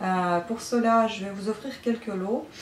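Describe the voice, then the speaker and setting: A woman with a Russian accent, fairly high-pitched, at a very slow pace with ordinary pitch variation, over noticeable background noise. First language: Russian (speaking French). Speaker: craft YouTuber. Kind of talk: casual vlog announcement. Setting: at home, window open. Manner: hesitant, many fillers.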